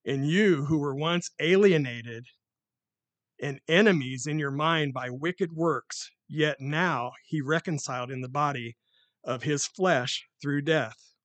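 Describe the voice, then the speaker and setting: A man preaching on a microphone, with a loud voice that carries and a slightly high pitch. He gets more and more excited as he reads scripture aloud. The sound is dry and close, with little room echo. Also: slow pace. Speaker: lay preacher. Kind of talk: sermon with scripture reading. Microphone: handheld or stand mic.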